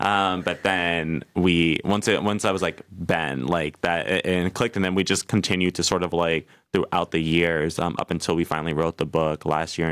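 With an American accent, a man talks at a fairly quick pace in a very deep, low voice with fairly even intonation, the sound dry and close with no echo and the recording very clean over a silent background. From New York City. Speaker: author. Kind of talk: casual chat.

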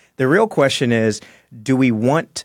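With an American accent, a normal speaking voice moves at a moderate pace on a very clean recording with a silent background. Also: man. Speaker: attorney and part-time judge. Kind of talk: radio interview, explaining law.

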